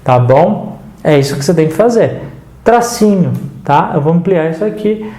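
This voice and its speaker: A man teaching an online writing lesson in Brazilian Portuguese, lively and casual, answering the students' doubts he voices himself. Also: a little high, normal speed, reverberant. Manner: addresses the viewer casually, checks in with "tá?".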